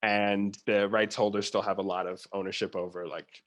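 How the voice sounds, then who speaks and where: A man's voice: fairly low pitch, flat delivery, moderate pace. A man talking informally as an interview guest, with asides and the odd mimicked reaction. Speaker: theatre producer, interview guest. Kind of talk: casual conversational interview.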